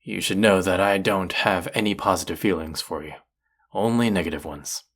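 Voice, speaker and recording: A man's voice: low-pitched, moderate pace, a bit bright. A man playing a cocky, bickering chef in an intimate audio roleplay, with a teasing, sardonic and condescending manner. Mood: teasing, defensive. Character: cocky, bickering male chef, grudgingly fond rival. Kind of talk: intimate audio roleplay acting addressed to listener.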